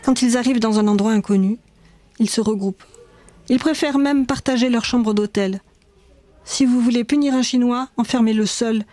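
A woman reads her memoir aloud in a measured, reflective way. Her voice is fairly high yet mellow, recorded close and dry. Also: steady tone, no room sound. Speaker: narrator of her own memoir. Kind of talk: audiobook memoir narration.

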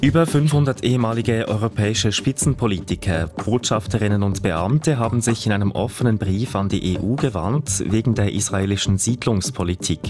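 Swiss guy reading the news on radio, lowish voice, bit of music underneath. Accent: Swiss German. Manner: measured, formal delivery. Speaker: news presenter.

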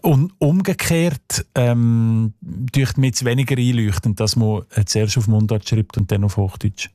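A man with a Swiss German Sensler accent, a dialect expert talking thoughtfully on radio and pausing often to search for words. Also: medium pitch, dark tone, no room sound, studio quality. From Switzerland. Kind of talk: relaxed radio conversation. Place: radio studio.

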